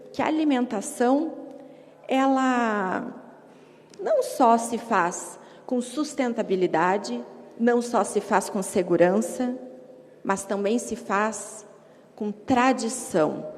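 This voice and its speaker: A woman addresses a council chamber, her voice ringing with long hall reverb. She speaks in a fairly high register, delivering a formal advocacy speech in short, emphatic phrases with rhetorical repetition. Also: a little mellow.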